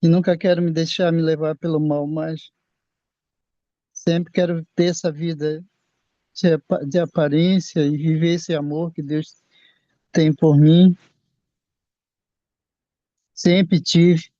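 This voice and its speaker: A man in his sixties from Brazil, telling his own faith testimony in a halting way, often repeating and restarting his words. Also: on the high side, level tone, warm tone, no echo. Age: 60s. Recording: dull lo-fi sound.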